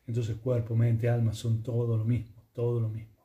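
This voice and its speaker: A man with a Rioplatense Spanish accent giving a calm, unhurried yoga lesson, speaking gently with pauses. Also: mid-range voice, highs cut off. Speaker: yoga teacher. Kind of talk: reflective spoken lesson.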